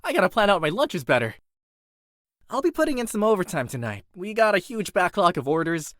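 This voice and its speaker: A performer voicing an earnest, dutiful young blacksmith's apprentice and student in an animated character reel, conversational and expressive. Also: mid-range voice, a little fast, no room sound, studio quality. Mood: upbeat, dutiful.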